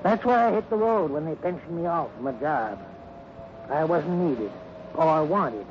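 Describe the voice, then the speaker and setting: A man's voice: on the high side, animated, moderate pace. A man playing a genial, wistful old hobo with folksy talk in a 1950s radio western. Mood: wistful, bitter. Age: older. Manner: folksy drawling phrases, chuckling. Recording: noisy, muffled old radio recording.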